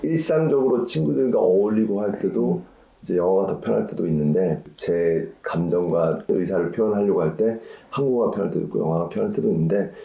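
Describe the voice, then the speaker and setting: Speaking at a fairly quick pace, a man with a dark, mellow tone and fairly low pitch swings his pitch very widely amid audible room echo. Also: very even loudness. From South Korea. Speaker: hedge fund executive, reality show cast member. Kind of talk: interview.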